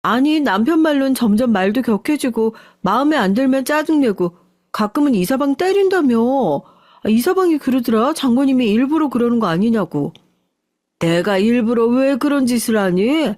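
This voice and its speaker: An earnest grown daughter, voiced by a woman reading a radio story, coaxing and a little raised in pitch. The sound is dry and close. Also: animated, moderate pace, a little mellow, no echo, close to an everyday voice. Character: devoted adult daughter, worried wife.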